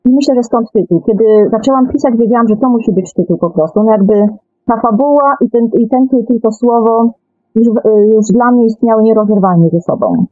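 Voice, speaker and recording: A woman's voice: on the high side, brisk, warm tone, dry recording. Over a thin, phone-like connection, a woman gives conversational interview answers as a guest author. The sound is dry, with faint music behind her. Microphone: internet call, dry and close.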